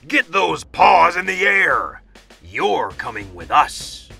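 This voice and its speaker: A man voicing a brave, bossy mouse commanding officer with a squeaky, blustering military delivery for a children's storybook. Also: very animated, slow, gravelly, sharp tone, faint music behind, full character voice.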